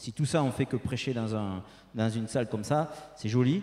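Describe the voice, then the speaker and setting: A man's medium-pitched, dark, mellow voice with a Toulouse accent, ordinary pitch variation and a moderate pace. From southern France, Toulouse. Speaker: industrial equipment sales manager, conference speaker. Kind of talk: conference presentation. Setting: trade show conference room with audience. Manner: hesitant, many repetitions and fillers.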